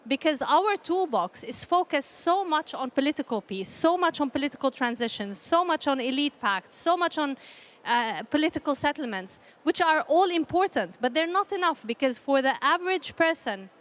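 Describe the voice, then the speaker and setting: High-voiced woman speaking on a panel. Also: lively intonation, moderate pace, fairly bright tone. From Palestinian, grew up in a conflict country. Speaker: panel speaker, peace initiative representative. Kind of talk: formal panel remarks, semi-prepared.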